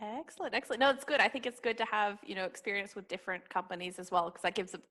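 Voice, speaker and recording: A woman hosting a casual video call chat with teachers, friendly and quick to laugh. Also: medium pitch, steady tone, sharp tone. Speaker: host and ESL interviewer.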